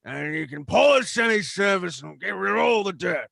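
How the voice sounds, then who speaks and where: Swaggering pirate captain , improvised by a man, higher-pitched and creaky, comic halting patter, dry close sound. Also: lively intonation, fairly bright tone, dry recording, full character voice. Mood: swaggering, salesy.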